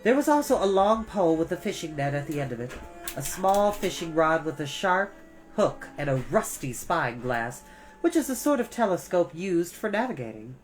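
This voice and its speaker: A low-pitched woman reads a storybook aloud as host of a storytime. Her delivery is expressive, leaning carefully on key words. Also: moderate pace, soft background music.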